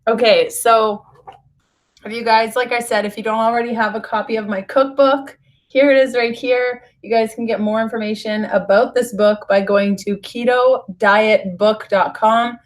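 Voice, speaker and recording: A woman with a raspy, slightly hoarse voice recovering from losing it, chatting informally and directly to viewers as host of a casual livestream. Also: on the high side, fairly even intonation, normal speed. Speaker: nutrition author hosting a livestream. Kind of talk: casual live vlog chat to viewers. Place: hotel room.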